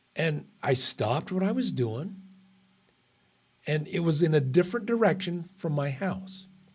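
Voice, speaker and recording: At a fairly slow pace, a man with a high voice speaks with lively intonation and long, frequent pauses. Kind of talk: personal ghost story told to an audience.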